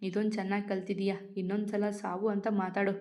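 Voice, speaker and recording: A woman voicing a short-tempered, proud young husband who scolds gruffly in a read-aloud story. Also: medium pitch, flat delivery, a little fast, warm tone, natural voice. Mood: stern.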